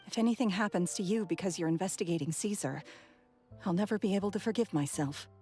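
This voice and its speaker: A woman's voice: lowish voice, fast, dark tone, faint music behind, natural voice. A woman voicing an anxious, caring young woman in a video game, pleading earnestly. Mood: worried, pleading.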